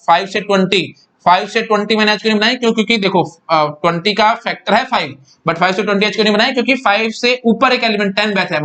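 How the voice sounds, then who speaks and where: A man's voice: sits high, fairly bright tone. A man lecturing on discrete maths for an exam, often asking if his students follow and answering his own questions. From India. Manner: repetitive, keeps asking "samajh pa rahe ho?" and "kyon?"; mixes English terms into Hindi speech. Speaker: teacher.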